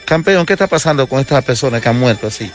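A man's voice: medium pitch, expressive, quick pace, faint music behind. A Dominican man working as a field reporter, reporting live for radio.

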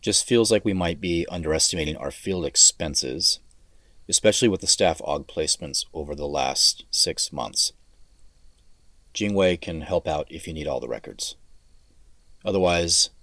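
A worn-out tech boss in an audio drama, speaking in a low register. He dictates in short, courteous, businesslike phrases, with a crisp edge to the tone. The sound is close and very dry. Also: moderate pace, pushed and bright, dry recording. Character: weary male tech CEO dictating texts, polite, businesslike.

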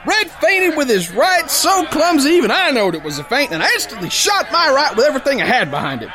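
A man's voice: very high voice, very animated, fairly quick, crowd noise. An actor playing a brash, hot-headed, dim-witted sailor boxer, telling his tale in boisterous, folksy tough-guy talk in a pulp audio drama. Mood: excited, forceful. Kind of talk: theatrical first-person pulp story narration.

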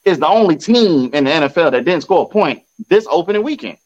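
A man's voice: on the high side, expressive, fast talker, muffled recording. A man talking casual football trash on a phone video, boastful and repetitive with a swaggering manner. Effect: recorded on a phone. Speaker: sports fan vlogger.

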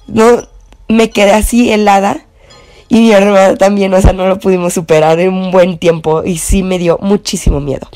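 A woman's voice: medium pitch, steady tone, normal speed, dark tone, soft background music. A woman with a Mexican Spanish accent casually telling a personal ghost story, rambling with fillers and restarts. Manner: chatty, full of fillers and restarts.

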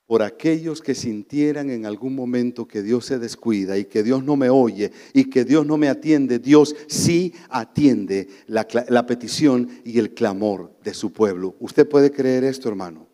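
A man with a Honduran accent preaching a sermon as pastor, swinging between loud exclamations and soft low asides. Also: unhurried, few pauses. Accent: Honduran Spanish. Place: church sanctuary. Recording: long church reverb.

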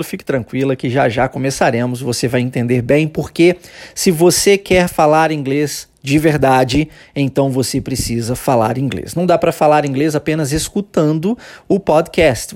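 A Brazilian man hosting an English-lesson podcast, explaining step by step, often checking in with "tá?" and slowly demonstrating sounds. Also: on the high side, darkish tone. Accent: Brazilian Portuguese. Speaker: English teacher, podcast host.

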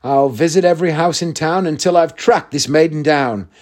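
Guy reading as a bossy fairytale prince, vain n bloodthirsty, highish voice. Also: moderate pace, natural voice. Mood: lovestruck. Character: vain, bloodthirsty young storybook prince, impatient and rude.

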